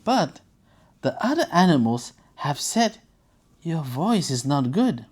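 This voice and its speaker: Crafty vixen, lilting and flattering, voiced by a storyteller. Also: medium pitch, slow pace, voice pushed up. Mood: sly flattery. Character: crafty, flattering female fox in a children's fable.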